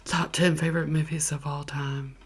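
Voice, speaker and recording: A woman softly whispering chatty, gushing movie recommendations as an ASMR vlogger. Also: sits low, little pitch movement, moderate pace, noisy background. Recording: keyboard clicks and typing behind voice.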